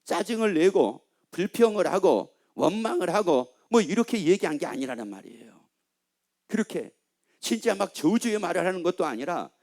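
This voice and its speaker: Male pastor, sermon delivery, quizzes the congregation and teases them; high, animated voice. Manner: asks the congregation questions and repeats answers back; teasing, playful asides.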